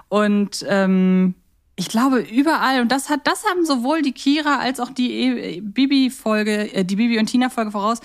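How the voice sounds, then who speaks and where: A woman co-hosting a podcast, chatting casually and enthusiastically as a fan of audio dramas. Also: on the high side. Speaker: podcast co-host. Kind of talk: casual chat about children's audio dramas.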